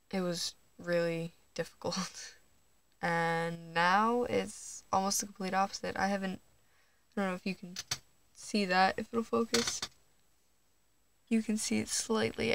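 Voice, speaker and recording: Tucked under his bed indoors, a teenage trans vlogger records a casual personal video on his phone, talking in a hushed, hesitant late-night way and laughing nervously. The voice is high, creaky, and smooth, with no echo.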